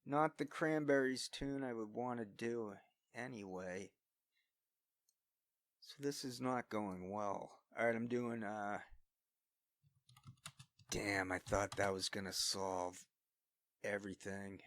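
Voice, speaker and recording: Man, scratchy voice, slow unscripted musing, smooth close studio mic sound. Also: lowish voice, fairly even intonation, a bit bright, no echo. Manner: self-deprecating, thinking aloud. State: voice scratchy from singing. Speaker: solo vlogger. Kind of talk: unscripted rambling between singing attempts. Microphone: studio-quality microphone.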